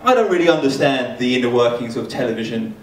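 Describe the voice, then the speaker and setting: Speaking fast in a mid-range voice, an Essex-accented comic from Essex, England delivers wry, deadpan storytelling with hesitant fillers during a stand-up set. It's a student comedy night in a roomy hall with an audience, captured from a distance on a noisy amateur recording.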